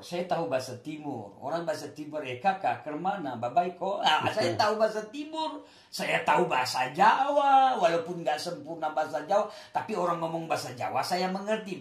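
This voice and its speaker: A man from Aceh speaking as a guest and telling his story in an animated, emphatic way, repeating key phrases. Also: fairly high pitch. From Aceh, Indonesia. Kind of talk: conversational testimony. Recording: roomy echo.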